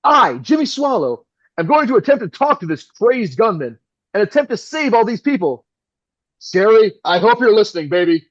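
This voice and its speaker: A man's voice: sits high, very animated, moderate pace, highs cut off. A man playing a flustered, melodramatic 1960s New York radio host with theatrical announcer delivery in an audio drama. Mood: grandiose.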